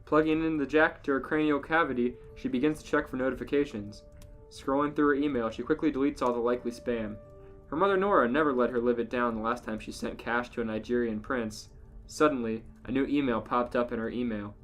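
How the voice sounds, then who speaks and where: A man's voice: medium pitch, fairly quick. A man co-hosting a podcast, reading out comic fan fiction as a narrator. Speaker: podcast co-host reading a story. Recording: music playing under the voice. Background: music.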